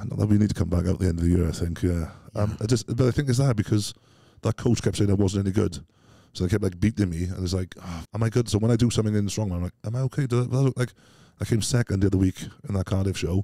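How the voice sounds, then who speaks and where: With a Welsh accent, a man speaks at a very fast pace in a dark, mellow tone and fairly low pitch, showing ordinary pitch variation, in a dry sound with no echo and a quiet background. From Wales. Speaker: strongman athlete; podcast guest. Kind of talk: casual interview. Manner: talkative. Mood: earnest, reflective. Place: studio. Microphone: studio mic.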